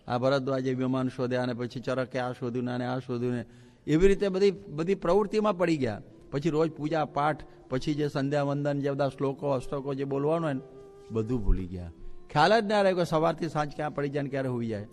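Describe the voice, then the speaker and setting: Man giving a storytelling sermon in a hall. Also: mid-range voice. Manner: animated storyteller who acts out the lines of people in his stories. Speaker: Hindu monk giving a religious discourse. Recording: long hall reverb with faint music.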